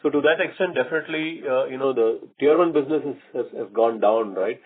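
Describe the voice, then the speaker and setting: A man, a company executive answering questions on an earnings call in a halting way, repeating and restarting phrases. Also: medium pitch, slightly rough. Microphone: conference call line. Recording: muffled, tinny phone conference line.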